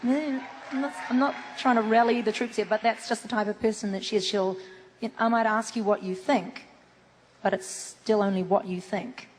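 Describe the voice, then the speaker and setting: A woman's voice: a little high, fairly even intonation, moderate pace. Playful woman telling stories on a convention stage. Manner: playful storyteller who jokes freely. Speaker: guest actress on a fan convention panel. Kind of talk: casual on-stage chat. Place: large convention hall stage. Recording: echoey convention hall, faint noise.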